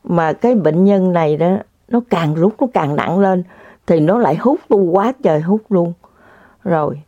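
Speaking directly to her audience, a woman relates a story casually, with lots of drama and exclamations. Her voice is lowish and warm at a normal speed. The recording is dry, dull and lo-fi.

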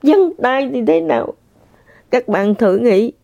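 A woman's voice: on the high side, expressive, takes it slowly, creaky, warm tone, dry recording. An older woman telling a personal spiritual testimony to her listeners, earnest and repeating herself. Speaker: spiritual practitioner sharing testimony. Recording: dull lo-fi sound.

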